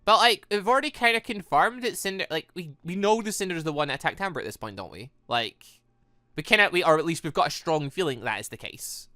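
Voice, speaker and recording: A video game let's-player giving rambling, excitable, casual commentary while playing. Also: medium pitch, fast, dry recording, studio quality. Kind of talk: casual gameplay commentary and read-aloud.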